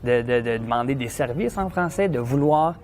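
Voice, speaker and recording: A man's voice: mid-range voice, noisy background. A man with a Franco-Ontarian French accent, a comedian and actor telling stories in an interview. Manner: animated storytelling, quick restarts.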